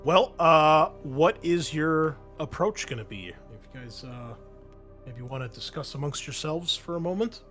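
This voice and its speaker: A man's voice: fairly high pitch, unhurried, fairly bright tone. Man refereeing a tabletop game over music. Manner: explanatory, conversational. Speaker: game master.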